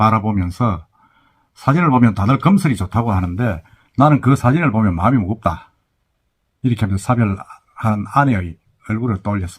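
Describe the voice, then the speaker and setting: Somewhat breathy and at medium pitch, a man talks at a moderate pace with lively intonation and long, frequent pauses. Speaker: YouTube channel host. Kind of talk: spoken summary of a TV documentary. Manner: casual, with hesitations.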